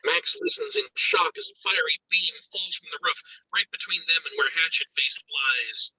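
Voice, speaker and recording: A man with a breathy voice reading screenplay stage directions as an intense, suspenseful narrator. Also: fairly high pitch, normal speed, bright, forceful tone, no room sound, poor audio. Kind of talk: dramatic scripted narration of screenplay action.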